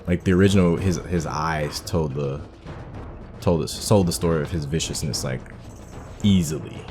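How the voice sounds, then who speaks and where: A man hosting a game playthrough, giving relaxed, rambling commentary full of fillers. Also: a bass voice, normal speed, over music. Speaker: gaming host. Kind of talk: casual gameplay commentary.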